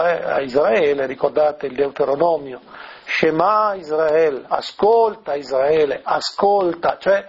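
A priest explains a scripture passage in a teaching talk, posing rhetorical questions and ending lines with "eh?". His voice is on the high side, gravelly and slightly rough. The recording is dull and lo-fi.

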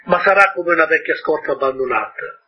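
A man with a husky voice quoting a gentle, sad little boy prince from another planet, softly and wistfully. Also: fairly high pitch, a little fast, muffled recording. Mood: sorrowful.

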